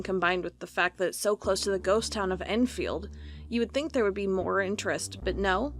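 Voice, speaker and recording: A woman's voice: lowish voice, fairly bright tone. A woman playing a wry young office worker in an audio drama, talking casually and reading aloud in a conversational way.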